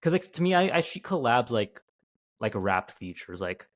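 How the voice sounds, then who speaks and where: A man's voice: medium pitch, big pitch swings, normal speed. A man co-hosting a casual podcast chat, speaking loosely with many fillers and trailing sentences. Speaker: podcast co-host and video creator.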